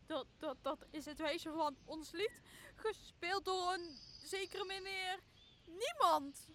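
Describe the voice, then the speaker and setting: A woman's voice: extremely high pitch, takes it slowly, fairly bright tone, a little hiss or hum, exaggerated voice. A young woman playing a silly, easily frightened jester servant in an audio drama. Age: young adult. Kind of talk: Dutch audio drama of Shakespeare.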